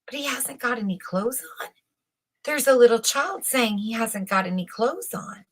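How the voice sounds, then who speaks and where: A woman voicing astonished, excitable townsfolk in a storybook, gasping out a scandalous remark. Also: a little high, normal speed, voice pushed up. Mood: scandalised, excited. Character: astonished townsfolk and father passing on a child's blunt remark.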